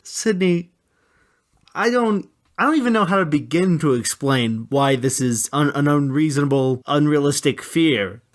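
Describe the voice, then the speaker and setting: Male comedy co-host: exasperated, patient explainer with lively, swinging intonation. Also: on the high side, moderate pace. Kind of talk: comedy skit banter.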